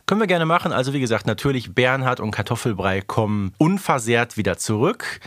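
A man's voice: medium pitch, expressive, fairly quick, fairly bright tone, no room sound, studio quality. A man co-hosting a podcast, chatting casually through a recap and often seeking agreement with little tag questions. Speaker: podcast co-host. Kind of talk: casual chat recapping an audio play.

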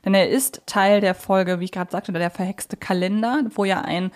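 A woman's voice: medium pitch, fairly even intonation, normal speed, a little mellow. A woman with a German accent, hosting a fan podcast in an enthusiastic, opinionated, conversational way. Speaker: podcast host.

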